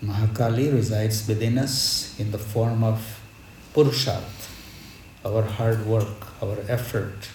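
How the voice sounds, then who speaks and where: Slow, reverent man preaching in an echoey space. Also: lowish voice, fairly even intonation, darkish tone. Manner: reverent, measured, reflective, with deliberate pauses. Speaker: spiritual teacher leading a devotional gathering. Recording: echoey space with background noise.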